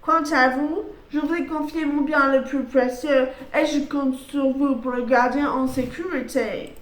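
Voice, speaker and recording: A woman voicing a sly, scheming man who speaks smoothly and evasively in a narrated mystery game. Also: very high voice, fairly even intonation, measured pace, fairly bright tone, reverberant. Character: sly scheming male hotel guest.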